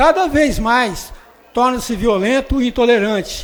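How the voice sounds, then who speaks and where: Extremely high in pitch, a man talks at a fairly slow pace. Noticeable background noise and audible room echo fill the recording. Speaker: citizen speaker at city council. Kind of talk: reading aloud; public speech. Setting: city council chamber with audience.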